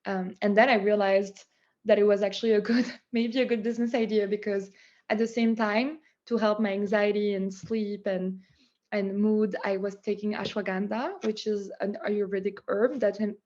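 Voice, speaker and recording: A woman's voice: medium pitch, moderate pace, muffled recording. A young woman from France with a French accent, chatting as a guest about the business she founded, full of "like" fillers. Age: young adult. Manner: chatty, many "like" fillers, animated. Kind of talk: casual interview chat.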